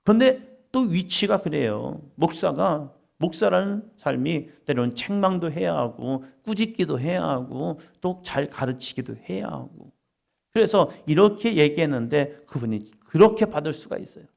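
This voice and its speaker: Male pastor, gravelly voice, gentle conversational sermon delivery. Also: a little high, lively intonation, normal speed. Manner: gentle, conversational preaching with frequent rhetorical asides. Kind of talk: conversational sermon at a daily prayer meeting.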